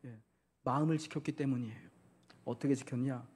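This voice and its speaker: A man's voice: medium pitch, steady tone, fairly quick, a little mellow, breathy edge. A man preaching a Sunday sermon as pastor, asking the congregation questions and acting out quotes.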